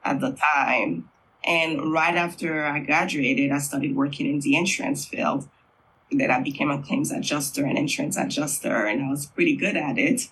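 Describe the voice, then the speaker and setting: A middle-aged man from Haiti, a Creole language teacher, answering interview questions in an unhurried, thoughtful way with frequent fillers. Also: fairly high pitch, bright, forceful tone, breathy edge, low-quality recording.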